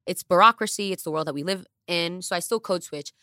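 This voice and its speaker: Low-voiced candid woman podcaster. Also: a little fast, no echo, studio quality. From the Bronx, New York. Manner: candid, animated, voice rising and dropping in bursts. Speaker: podcast co-host. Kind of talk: casual podcast chat. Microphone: studio podcast mic.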